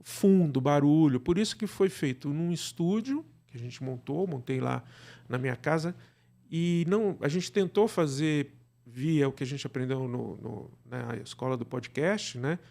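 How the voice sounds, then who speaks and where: Higher-pitched, creaky-voiced Brazilian man. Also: a little slow, mellow. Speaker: interview guest, radio drama director. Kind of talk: conversational interview, explaining.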